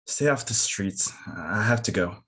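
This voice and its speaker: A man reading the part of a cautious, protective husband in a drama, measured and understated. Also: on the low side, lively intonation, fairly bright tone, slightly rough, exaggerated voice. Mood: guarded. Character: cautious, steady, protective husband and town official. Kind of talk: screenplay table read.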